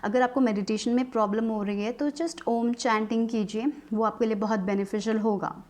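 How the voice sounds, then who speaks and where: A woman's voice: a little high, fairly even intonation, normal speed, darkish tone. A woman tarot reader giving a casual, reassuring card reading to her viewers. She slips English words and phrases into her sentences and often adds small checks with her listeners. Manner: reassuring and advising, with frequent filler checks.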